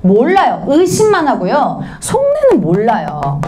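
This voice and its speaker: A woman teaching Korean literature, reading a classic novel aloud and explaining it, quizzing students with quick questions and answering them herself. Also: fairly high pitch, huge pitch swings, noisy background. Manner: switches between reading aloud and casual explanation.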